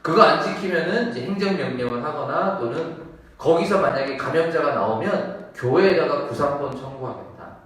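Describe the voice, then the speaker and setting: Animated pastor in an echoey church. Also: male voice, on the high side, moderate pace, distant mic. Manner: animated storytelling, acting out quoted voices, swinging loud and soft. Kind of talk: Sunday sermon. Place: church sanctuary.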